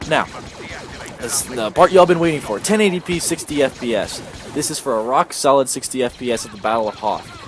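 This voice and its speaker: Talking very fast with ordinary pitch movement, the speaker is heard over noticeable background noise. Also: man. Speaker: gaming YouTuber. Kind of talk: tutorial.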